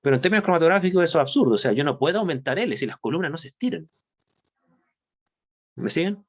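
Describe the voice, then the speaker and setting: A man giving a university chemistry lecture, explaining step by step, slowing down to stress key points and often checking that students follow. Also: on the high side, lively intonation. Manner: explanatory, checks understanding with frequent tag questions. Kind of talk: online class lecture.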